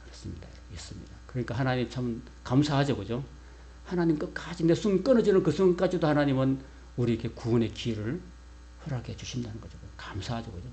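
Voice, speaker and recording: A man's voice: medium pitch, animated, fast, vocal fry, mellow. A man preaching a sermon from the pulpit. He peppers the congregation with questions and answers them himself. A faint electrical hum runs under his voice. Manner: leads a call-and-response with the congregation. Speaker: pastor.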